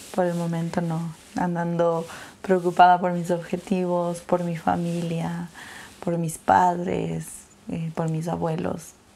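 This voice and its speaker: Her pitch is fairly low, and she speaks at a very slow pace. This woman's intonation is monotone and flat. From Ecuador, Riobamba; Ecuador. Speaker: singer and influencer; influencer. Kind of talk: interview. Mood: warm, smiling, reflective. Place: studio. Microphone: lapel.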